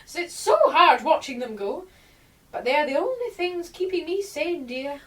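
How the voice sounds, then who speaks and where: A woman playing a sentimental, rambling dead old woman in a radio play, gentle one moment and snappish the next. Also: high voice, expressive, moderate pace. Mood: wistful. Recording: distant microphone.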